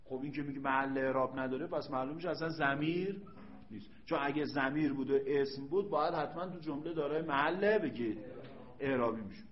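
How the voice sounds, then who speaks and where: A man's voice: a little high, echoey room, dull audio. A man teaching a grammar class, reading passages aloud and then explaining them while quizzing his students. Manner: quizzes students with questions, reads Arabic text then explains. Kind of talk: classroom lecture.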